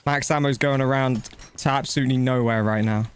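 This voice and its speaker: A man's voice: medium pitch, fairly even intonation, a little fast, slight background noise. A man giving casual live gameplay commentary and chatting to viewers, blunt, slangy and matey, with some swearing. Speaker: video game streamer.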